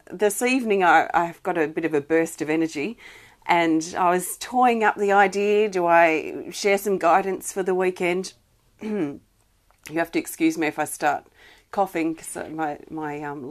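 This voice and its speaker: Wheezy woman streaming healing guidance. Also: sits low. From Australia. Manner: soft, gentle, greets viewers by name, many ums and restarts. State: wheezy, irritated lungs. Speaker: spiritual healing guide on a live stream. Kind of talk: live-streamed spiritual chat.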